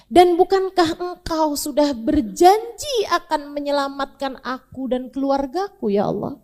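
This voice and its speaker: A woman's voice: very high-pitched, fairly bright tone, voice pushed up, heavily acted. A woman preacher voicing a grieving old prophet who pleads tenderly with his son, in a raised voice.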